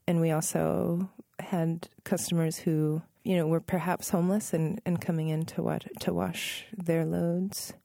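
A woman in her thirties talks through her memories in a studio interview. Her voice sits low, with a gravelly fry and a mellow tone, and the sound is close and dry. She often stops to rephrase and laughs softly now and then. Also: flat delivery, a little slow, few pauses, no room sound. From Northern Virginia, USA. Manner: thoughtful, self-correcting, laughs softly. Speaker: musician guest. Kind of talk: relaxed interview conversation.

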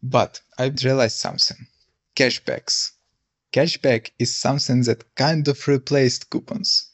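A man's voice: mid-range voice, steady tone, unhurried, fairly bright tone. A man leaving a voice memo, speaking carefully. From Ukraine. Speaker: listener caller. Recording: dull lo-fi voice memo.

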